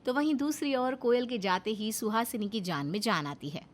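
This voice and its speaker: A woman narrating a cartoon story in an expressive storytelling manner. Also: on the high side, normal speed.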